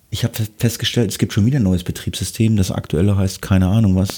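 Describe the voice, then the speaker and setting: Against noticeable background noise, a man speaks with a fairly low pitch and fairly even intonation. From Lower Saxony, Germany. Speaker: podcast co-host. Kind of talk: casual chat.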